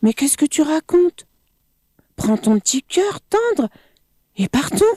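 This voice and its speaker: A woman voicing a naive, gullible male crocodile in a storybook reading, speaking high and eager. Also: big pitch swings, slow pace, mellow, dry recording, clean studio sound, heavily acted. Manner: high and sing-song, eager.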